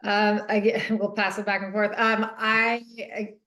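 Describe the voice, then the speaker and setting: A middle-aged woman from Northern California, an author answering interview questions thoughtfully, with many pauses and soft laughs. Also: medium pitch, little pitch movement, echoey room. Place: radio studio.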